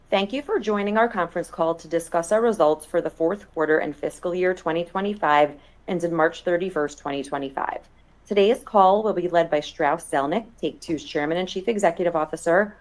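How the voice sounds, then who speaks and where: A woman's voice: fairly low pitch, fairly quick. A woman executive in investor relations, reading a formal scripted statement on an earnings conference call.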